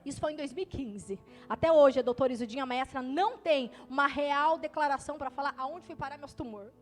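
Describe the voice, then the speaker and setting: A young adult woman, pregnant, preaching in a church, moving from hushed storytelling to loud fervent preaching. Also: sits high, brisk, faint music behind. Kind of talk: testimony sermon.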